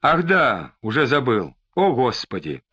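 Man doing a tearful whining suspect, pleading, irritable, lively up-and-down pitch, slightly lo-fi audiobook. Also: measured pace, husky, full character voice. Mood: agitated. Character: whining, tearful, frightened middle-aged male suspect. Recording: slightly dull lo-fi recording.

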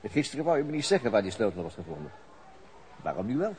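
An actor playing a dogged, reserved police detective in a radio play, with a terse, dry, probing manner. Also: male voice, fairly low pitch, sing-song, quick pace, a little mellow. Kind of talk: Dutch radio play acting. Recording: radio play with clear background noise.

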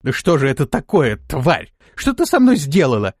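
A man's voice: on the high side, wildly swooping pitch, normal speed, no room sound, studio quality. A man voicing a brash, hot-tempered young lord in an audiobook, given to indignant outbursts. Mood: outraged.

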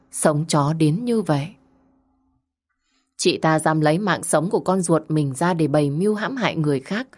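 Woman narrator, lower register; steady dramatic story reading. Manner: steady, dramatic first-person telling.

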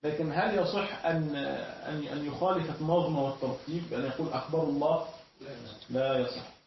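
A man teaching a classroom lesson, often pausing mid-sentence so his students can finish his words. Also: fairly high pitch, a little hiss or hum. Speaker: teacher of Islamic jurisprudence. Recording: echoey, distant, dull room recording.

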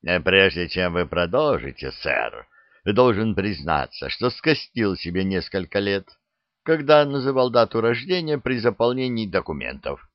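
A man's voice: lowish voice, sing-song, a little slow, no echo, lo-fi sound. A man reading the part of an older veteran soldier with a dry, blunt, self-deprecating way of talking. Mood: wry. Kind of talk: audiobook character reading.

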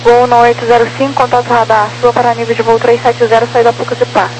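A woman's voice: fairly high pitch, little pitch movement, quick pace, darkish tone, faint music behind, poor audio. A woman working as an air traffic controller, giving procedural instructions over aviation radio. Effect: aviation radio transmission. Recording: humming aviation radio transmission.

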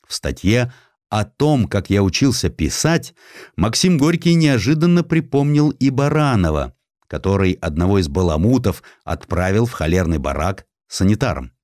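A man with a fairly low voice narrates history from a script. His intonation is lively and swings widely for emphasis, and the recording is dry and close, like an audiobook. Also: moderate pace, no room sound.

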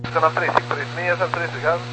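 A pilot talking over the radio, reading back controller instructions in clipped, routine phrases. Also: male voice, fairly high pitch, flat delivery, very fast, loud music behind the voice. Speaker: airline pilot. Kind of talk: radio read-back to air traffic control. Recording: noisy cockpit radio transmission.

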